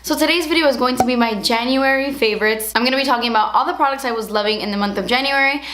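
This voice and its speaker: A woman in her twenties reviewing her favorite makeup products in a chatty, gushing way, her voice a little hoarse from shouting. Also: fairly high pitch, very fast, echoey room, noisy background. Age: 20s. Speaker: beauty vlogger.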